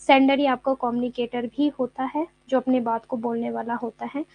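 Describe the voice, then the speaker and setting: A woman teaching an online exam-prep lecture. She explains by repeating words and reads English notes slowly. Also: fairly high pitch, fairly even intonation, creaky, dry recording, dull audio.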